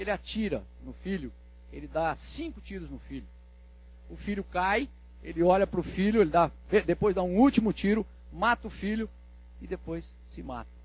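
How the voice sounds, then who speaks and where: A man with a Brazilian accent at a moderate pace, with big swings in loudness and long, frequent pauses. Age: 60s. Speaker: pastor. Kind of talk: sermon. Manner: halting.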